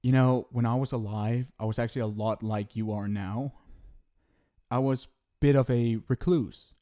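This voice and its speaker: Guy acting as a centuries old ghost soulmate, asmr roleplay, soft warm dark voice, kinda awkward and sweet, reassuring. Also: medium pitch, fairly even intonation, normal speed, close to an everyday voice. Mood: casual explaining. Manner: casual, hesitant, tender, reassuring. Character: affectionate centuries-old ghost soulmate, reclusive, wryly philosophical. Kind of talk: intimate ASMR roleplay monologue.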